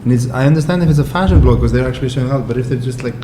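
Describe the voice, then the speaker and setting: An Icelandic man talks easily as a podcast guest over a restaurant lunch, often laughing and starting his sentences over. His voice sits at an ordinary middle pitch. The room is echoey and busy with restaurant noise. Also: very fast. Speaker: photographer and writer, podcast guest. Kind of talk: casual conversation over lunch. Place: restaurant table.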